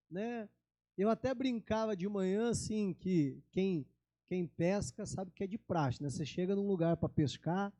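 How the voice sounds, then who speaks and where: A Brazilian man preaching a sermon as pastor, telling the story in a lively way and acting out the disciples' voices, often asking the congregation for an amen. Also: sits high. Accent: Brazilian Portuguese. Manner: asks the congregation for "amém".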